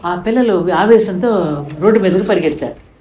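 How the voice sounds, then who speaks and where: A woman's voice: fairly low pitch, normal speed, dark tone, roomy sound, low-quality recording. An older woman from India, telling a story in an interview with a passionate, emphatic manner. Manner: impassioned, rising to emphatic peaks. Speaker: guest speaker.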